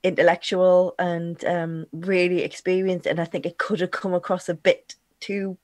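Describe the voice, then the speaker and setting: A woman's voice: on the low side, little pitch movement, normal speed, a little mellow, no room sound. A woman co-hosting a live talk show, chatting enthusiastically with hesitant restarts. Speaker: co-host and editor. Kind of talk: casual chat.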